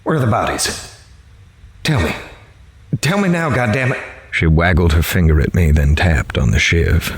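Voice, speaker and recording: An actor playing a grim, dogged male crime reporter in a horror audio drama, with a measured, grave, dramatic delivery. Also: sits low, very animated, slightly rough, no room sound, heavily acted. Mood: urgent, demanding. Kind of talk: noir-like scripted horror narration.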